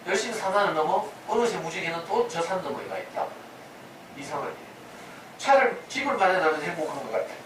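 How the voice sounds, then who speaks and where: In a lecture room, a parenting humanities lecturer tells sermon-like stories in a high, expressive, slightly bright voice at a somewhat fast pace. He keeps it conversational, posing rhetorical questions and acting out quotes. The recording is noisy, distant and echoey.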